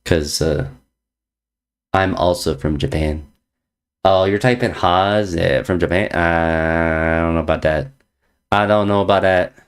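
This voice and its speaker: Low-voiced guy streaming chess, joking around w chat, teasing, keeps repeating slang bits. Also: a little slow, long pauses, smooth. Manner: playful teasing, jokey slang, repeats phrases. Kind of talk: casual chat reading viewer messages.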